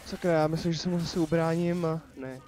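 A man's voice: a little high, steady tone, dark tone. A man casually commenting on his own gameplay, chatty and joking, talking to the enemies on screen. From Czechia. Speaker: let's play commentator. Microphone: desk microphone.

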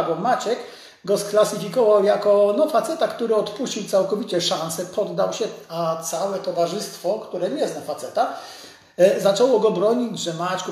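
A man's voice: sits high, darkish tone. A man in his sixties giving an informal live talk to viewers, explaining things conversationally, with a strong echo from a large empty room. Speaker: doctor hosting a live stream. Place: large, empty, hard-surfaced dental office.

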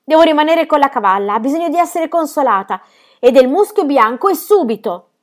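A woman voicing a brave young robber's daughter, crying out in high, urgent, pleading bursts. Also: expressive, fairly quick. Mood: commanding.

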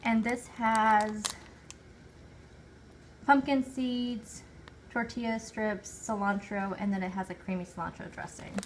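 A woman's voice: a little high, very noisy. A woman in her forties casually showing off her groceries at home, listing items and their points and correcting herself as she goes. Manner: chatty, lists items and point values, self-corrects. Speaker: vlogger. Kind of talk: casual grocery haul show-and-tell. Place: home kitchen table. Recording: loud crinkling bags near the mic.

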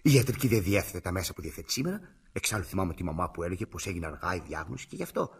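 A man playing a fussy, flustered bachelor brother in a comic radio play, excitable and husky. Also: exaggerated voice. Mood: soothing. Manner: excitable, jumps between high and low pitch. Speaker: brother caring for a foundling baby.

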